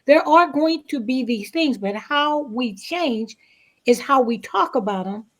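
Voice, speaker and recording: A woman with a somewhat high-pitched voice talks as a guest on a panel. She is reflective and deliberate, leaning on key words and leaving pauses between her phrases. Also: animated. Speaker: stage play cast member, guest. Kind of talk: reflective panel interview talk.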